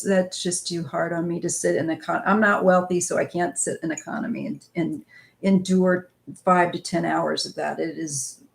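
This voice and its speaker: A woman's voice: on the low side, gravelly. A woman in her fifties from northwest Missouri, hosting a rambling, casual live-stream chat with viewers. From northwest Missouri, USA. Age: 50s. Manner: rambling, chatty, talks to viewers as "you guys". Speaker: tarot channel host reading live chat.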